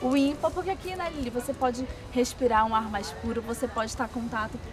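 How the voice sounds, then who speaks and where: High-voiced young woman TV host. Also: steady tone, quick pace. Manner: bright, polished presenter delivery. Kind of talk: TV presenter intro and interview. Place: outdoors in a forest park. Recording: background music underneath.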